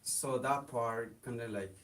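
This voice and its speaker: A young man from Mexico, a guest in an interview, speaks haltingly with many fillers and restarts. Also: mid-range voice, a crowd in the background. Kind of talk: casual interview. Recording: hiss, distant from the mic.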